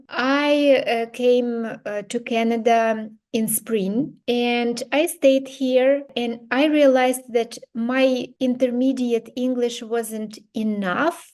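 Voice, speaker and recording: A woman from Ukraine with a Ukrainian accent, a podcast guest who answers slowly and thoughtfully, with many hesitations. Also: on the high side, steady tone, darkish tone. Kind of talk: interview answers.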